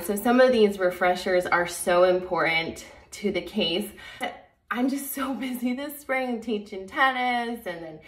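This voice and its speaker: Woman chatting to her viewers, kinda rambly, mid pitch, roomy echo on it. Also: fairly bright tone. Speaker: host of a true crime video channel. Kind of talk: casual chatty vlog to viewers.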